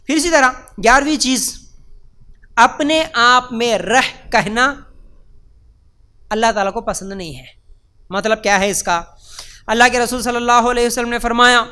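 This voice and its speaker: A man preaching, his voice pitched strikingly high for a man and notably clear and smooth. He drives his points home by repeating them and asking rhetorical questions. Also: steady tone, long pauses, bright, forceful tone. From India. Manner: emphatic and repetitive, with rhetorical questions. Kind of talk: religious lecture.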